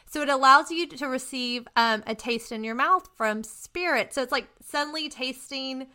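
A woman's voice: high-pitched, moderate pace, pushed and bright. A woman with a Texas accent, co-hosting a casual podcast chat and reacting eagerly. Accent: Texan. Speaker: podcast co-host.

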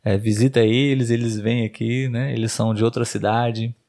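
A man's voice: mid-range voice, fairly even intonation, moderate pace, dark tone. A man in his thirties with a Brazilian accent, chatting casually as a podcast host and tutor for language learners. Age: 30s.

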